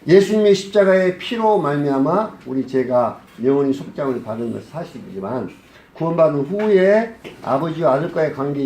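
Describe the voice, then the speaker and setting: A male pastor preaching a sermon, asking the congregation questions and answering them himself. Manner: acts out scenes with a softer low voice. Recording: echoey hall.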